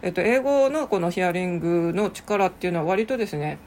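A woman's voice: on the low side, animated, a little fast, a little mellow, a little hiss or hum. A woman who teaches English, talking casually on her own show with lots of fillers and asides. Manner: chatty, frequent fillers and asides. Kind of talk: casual solo talk.

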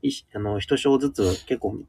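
A man's voice: lowish voice, normal speed, mellow, husky, no room sound. A man speaking as a radio guest, introducing a book politely and a little hesitantly, phrase by phrase. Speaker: guest presenting a book segment.

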